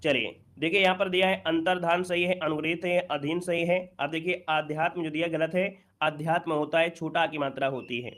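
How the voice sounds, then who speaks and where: A man with a slightly higher-than-average voice leads an exam-prep Hindi spelling lesson. He walks through each question patiently and keeps asking rhetorical questions so he can answer them himself. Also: fairly even intonation, a little fast, hardly any pauses, a bit bright.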